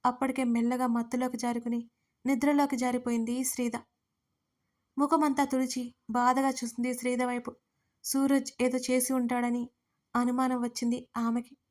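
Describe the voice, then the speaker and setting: A woman narrating a serialized audio story in a steady, even reading. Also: a little high.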